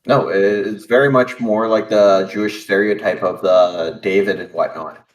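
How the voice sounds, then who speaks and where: A man with a lowish voice, chatting casually as a guest on a stream. He rambles through his opinions, pausing with "uh" and hunting for the right word. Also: fairly even intonation, low-quality recording. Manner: rambling, opinionated, fumbles for words. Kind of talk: casual chat.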